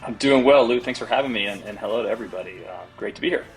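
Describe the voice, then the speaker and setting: A man's voice: medium pitch, very fast, faint music behind, poor audio. A man raised in Latin America answering interview questions reflectively, building his points through rhetorical questions. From United States, raised in Latin America. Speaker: guest, culture consultant.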